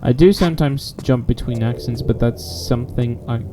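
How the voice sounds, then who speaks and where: Game music plays behind a young man from Poland as he streams and chats casually in a Polish accent. His voice is mid-range at a normal speed. He thinks aloud and frequently restarts his sentences.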